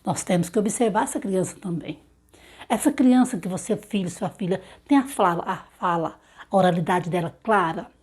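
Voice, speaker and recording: A woman, a literacy teacher explaining the steps to parents, asking herself rhetorical questions and slowly sounding out syllables and example words. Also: mid-range voice, darkish tone, slightly rough. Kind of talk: instructional talk to parents.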